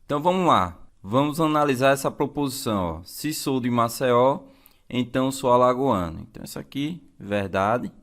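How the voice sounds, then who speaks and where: A man's voice: mid-range voice, animated, normal speed. A man with a Brazilian accent teaching an exam-prep lesson in a didactic way, repeating key phrases and checking in with listeners.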